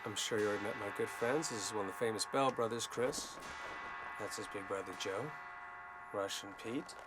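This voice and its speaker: An actor playing a menacing outlaw gang leader in a western, taunting with mock politeness that can turn to yelling. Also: male voice, on the low side, brisk, close to an everyday voice, rough recording. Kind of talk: western film acting. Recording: dramatic music under the dialogue.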